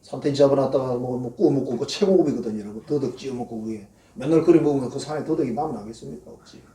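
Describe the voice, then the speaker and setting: A man's voice: mid-range voice, fast, dark tone. A male pastor, preaching a sermon in a folksy storytelling way and acting out quoted prayers in a mocking voice. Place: church sanctuary. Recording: echoey church hall, voice from a distance.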